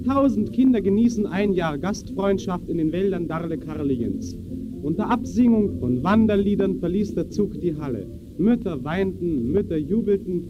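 An actor playing a declamatory reporter of accidents and farewells in a 1920s-style radio play. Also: male voice, high voice, animated, moderate pace, background noise. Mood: lyrical. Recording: dull old radio recording.

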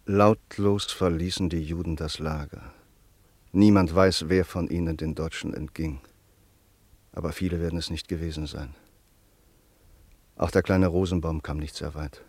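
An actor playing a sombre narrator in a radio drama, grave and deliberate as he recalls a friend's fate. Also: deep voice, fairly even intonation, a little mellow, slightly rough, no echo.

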